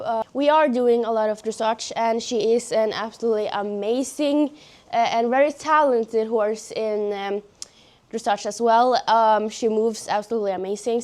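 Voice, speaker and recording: With a high-ish, darkish voice and a Norwegian accent, a Norwegian teenage girl talks through horse care in a casual vlog, outdoors or at the stable with her horse. She's chatty and a bit self-conscious, filling her speech with many fillers.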